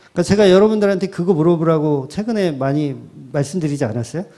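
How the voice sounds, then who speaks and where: A middle-aged male pastor preaching a sermon, who acts out quoted prayers and repeats key phrases for emphasis. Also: a little high. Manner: animated preaching, acting out quoted prayers and replies.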